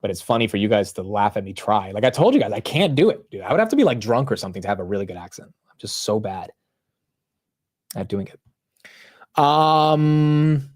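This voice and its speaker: A man's voice: lowish voice, animated, moderate pace, no echo, clean studio sound. A man from the United States hosting a market livestream, chatting casually in a loose, slangy way and talking to his viewers. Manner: loose, slangy, talks to chat. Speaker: livestream host.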